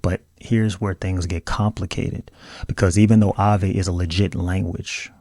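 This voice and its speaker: A low-voiced man with an African American accent hosts a video essay. His delivery is earnest and colloquial, with gravelly fry, recorded close and dry. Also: fairly even intonation, moderate pace, a little mellow, no room sound. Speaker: video host. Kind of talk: scripted video essay commentary.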